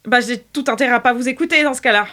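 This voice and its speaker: A woman's voice: fairly high pitch, very fast, pushed and bright. A woman playing a cornered potion maker in an improvised role-play, hesitant and defensive as she bargains for her life. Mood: wary.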